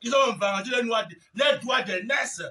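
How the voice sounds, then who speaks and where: A man preaching a fiery sermon, shouting refrains and dropping to low mutters, with chanting, repeated phrases. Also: moderate pace. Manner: shouts refrains, swings between loud cries and low mutters. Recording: voice heard from a distance from the mic.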